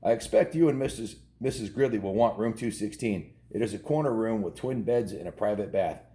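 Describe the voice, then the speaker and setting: A man's voice: lowish voice, lively intonation, brisk, dark tone. A man in his fifties with an American accent, reading a children's book aloud with informal, jokey asides. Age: 50s. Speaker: children's book reader and host. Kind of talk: casual read-aloud with asides to viewers.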